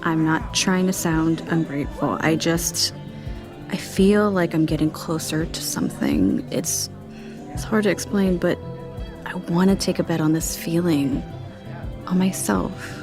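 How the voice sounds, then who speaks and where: A woman's voice: on the low side, measured pace, music in the background. An actress playing a stubborn, reluctant young woman writer in an audio drama, wry and earnest, with a dry, understated manner. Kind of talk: naturalistic audio drama acting.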